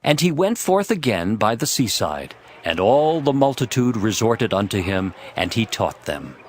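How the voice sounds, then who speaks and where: Animated male scripture narrator. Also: on the low side, normal speed. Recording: music behind the voice.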